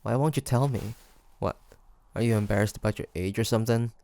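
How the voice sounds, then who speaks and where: A man's voice: lowish voice, fairly quick, gravelly, dark tone. A man playing a curious, teasing demon hunter in an audio roleplay, talking to the listener in a hesitant, conversational way. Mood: playful, needling. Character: male demon hunter traveler, curious, teasing, softly tsundere. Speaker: voice actor.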